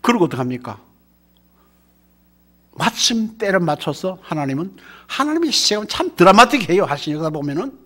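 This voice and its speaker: A middle-aged male pastor with a Gyeongsang accent preaching a sermon, animated, full of rhetorical questions, calling on the congregation to answer. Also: a little high, slightly rough. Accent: Gyeongsang Korean.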